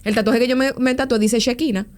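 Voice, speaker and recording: Animated woman in her forties. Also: fairly high pitch, quick pace. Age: 40s. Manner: animated storyteller, slangy, repeats words. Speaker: podcast guest. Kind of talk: personal faith testimony in casual chat.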